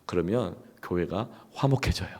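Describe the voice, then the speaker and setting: A man with a low voice preaches with a rising and falling, animated delivery. He moves from hushed, near-whispered asides to sudden emphatic bursts. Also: normal speed. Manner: emphatic, swings from hushed to loud outbursts. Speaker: pastor. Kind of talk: sermon with personal storytelling.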